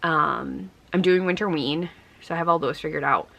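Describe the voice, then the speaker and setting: A woman's voice: sits low, moderate pace, creaky, fairly bright tone. A young woman vlogging in a casual, rambling way, congested and tired, with frequent ums. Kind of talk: casual vlog chat.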